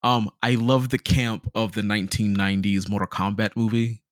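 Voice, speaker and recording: A man's voice: on the low side, steady tone, normal speed, dry recording, studio quality. A man hosting a podcast in a casual, slangy chat, acting out little imagined quotes as he talks. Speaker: podcast host.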